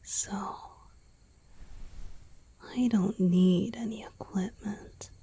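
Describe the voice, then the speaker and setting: Breathy, gentle vampire boyfriend, voiced by a woman. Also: medium pitch, fairly even intonation, heavily acted. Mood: tender whisper. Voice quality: breathy, mostly whispered. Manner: slow, intimate, soothing, softly teasing. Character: gentle, teasing, affectionate young male vampire boyfriend. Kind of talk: romantic ASMR roleplay.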